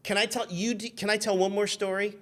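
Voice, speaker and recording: A man in his fifties telling anecdotes in an animated, chatty way as a podcast guest. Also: high-pitched, brisk. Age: 50s. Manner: chatty, acts out quoted shouts. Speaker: podcast guest, magazine editor.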